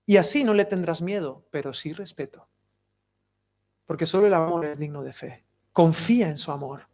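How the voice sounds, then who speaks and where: A man preaching a sermon in a lively, conversational way, often dropping to soft, near-whispered lines. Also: a little high, moderate pace. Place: outdoor summer cinema.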